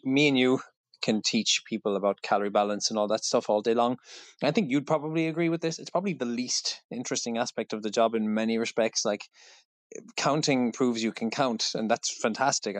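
Speaking in a mid-range voice with no room sound, a man from Ireland who works as a fitness coach responds to a podcast interview. He's thoughtful, often restarting and wandering into asides.

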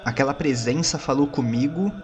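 A man improvising dramatic first-person narration as a role-play player, reflective, in short phrases with pauses. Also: mid-range voice, soft background music.

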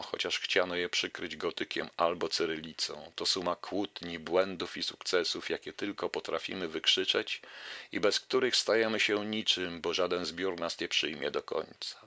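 Deep gravelly man reciting poetry. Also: bright, forceful tone, no room sound. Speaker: internet radio host and poet. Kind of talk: poetry reading with casual asides.

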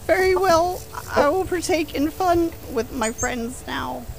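A woman playing a meek, strange child who speaks with halting, formal politeness in an improvised audio drama. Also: high voice, expressive, vocal fry, a little hiss or hum, full character voice, low-quality recording. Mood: meek, hollow. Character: odd, meek, hollow child named Dirt, eerily polite.

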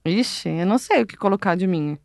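A woman's voice: lowish voice, lively intonation, brisk, creaky, a little mellow, no echo, clean studio sound. A woman co-hosting a casual chat, reading quiz questions and laughing easily. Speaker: podcast co-host.

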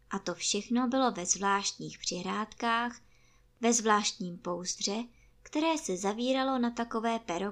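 A woman reading a children's book aloud in a calm, gentle storytelling manner. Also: medium pitch.

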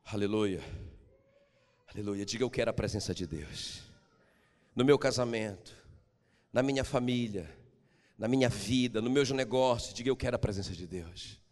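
A man preaching a sermon as pastor, emphatic, swinging between loud outbursts and low drawn-out lines. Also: big-room sound.

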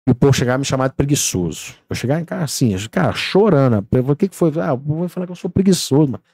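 A man's voice: a little high, rapid-fire, creaky, no echo, studio quality. A man, a podcast guest telling stories and acting out what people said. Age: 30s. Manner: animated storytelling, acts out dialogue. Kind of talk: casual podcast chat.

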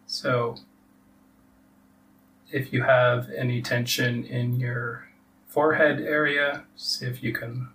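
A man leading a guided relaxation meditation as a teacher, giving soft instructions with long pauses. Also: mid-range voice, flat delivery. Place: live group meditation session. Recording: distant mic with faint background noise.

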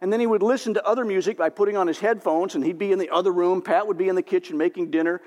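Folksy preacher guy, pretty high voice, big echoey hall, acts out little couple dialogues. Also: fairly even intonation, rapid-fire, darkish tone, dull audio. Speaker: pastor. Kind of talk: sermon on marriage. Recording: long hall reverb.

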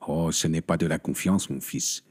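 An actor playing a gentle, devout parish priest in an audio drama, speaking in a calm, consoling manner with a husky voice. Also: male voice, extremely low pitch, normal speed.

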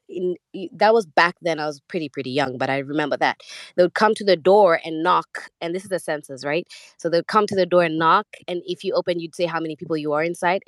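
A young woman from Kenya, a musician guest speaking casually over a remote call, rambling with restarts and soft laughs. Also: low-pitched, no echo. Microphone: remote call audio.

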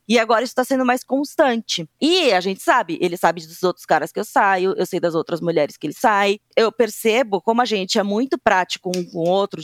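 A woman's voice: medium pitch, dry recording, clean studio sound. A Brazilian woman co-hosting a casual chat, telling stories and acting out quoted messages. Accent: Brazilian Portuguese. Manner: animated storyteller who acts out quoted texts. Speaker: podcast co-host.

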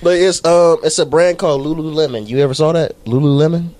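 A man's voice: on the high side, quick pace, darkish tone. A young man co-hosting a podcast, telling rambling, profane stories in a casual chat. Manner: rambling, profane storytelling with laughs. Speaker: podcast co-host.

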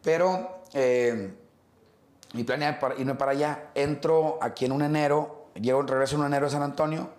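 A man's voice: mid-range voice, moderate pace. Middle-aged guy rambling thru his stories in an interview, lots of ums, echoey room. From Mexico. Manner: relaxed, rambling storytelling with many fillers and restarts. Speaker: interview guest. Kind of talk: casual interview conversation.

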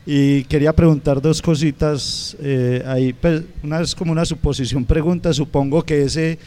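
A man hosts a podcast interview in a warm, mellow voice. He puts his questions hesitantly and pauses to search for the right words. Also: fairly high pitch, steady tone. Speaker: podcast host.

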